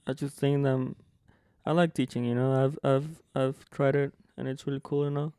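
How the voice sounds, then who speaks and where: A young man from Durango, Mexico speaks English with a Mexican Spanish accent in a gravelly yet smooth, resonant voice. He talks relaxed and a bit hesitant, leaning on "you know." The recording is dry. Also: mid-range voice, moderate pace, no room sound. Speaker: podcast co-host. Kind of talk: casual podcast chat.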